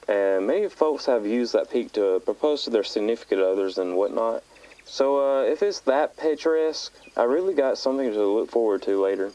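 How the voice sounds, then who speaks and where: An actor playing a young male hiker who records a calm, matter-of-fact tape diary on the trail in an audio drama. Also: medium pitch, close to an everyday voice, low-quality recording. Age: young adult. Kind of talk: found-footage audio drama.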